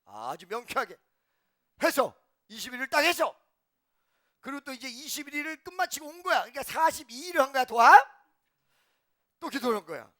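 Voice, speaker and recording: A male pastor preaching a sermon, telling stories and acting out the people in them, swinging from hushed asides to shouted lines. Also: extremely high pitch, big pitch swings, a little fast, pauses often. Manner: swings from shouting to hushed, acts out quoted dialogue. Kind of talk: sermon with storytelling.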